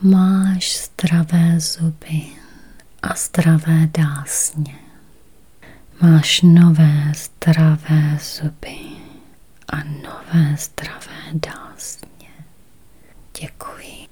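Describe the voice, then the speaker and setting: Very slow, whispery woman guiding meditation. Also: deep voice, flat delivery, warm tone. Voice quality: breathy, whispery. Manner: slow, soothing, long pauses. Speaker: guided meditation host. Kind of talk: guided meditation, slow affirmations.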